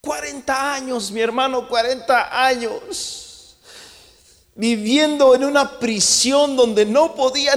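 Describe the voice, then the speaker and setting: A man with a very high voice preaches a sermon from the pulpit, his words ringing with a long reverb through the church. He presses hard on his congregation, calling out loudly one moment and dropping to a hushed aside the next. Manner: impassioned, swings between loud calls and hushed asides. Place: church sanctuary.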